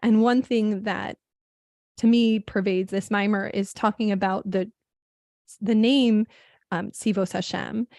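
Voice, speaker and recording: A woman sharing her thoughts on a video call in a casual discussion, pausing often with fillers and restarts. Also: medium pitch, steady tone, darkish tone, no echo, clean studio sound. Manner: hesitant, with many fillers and restarts.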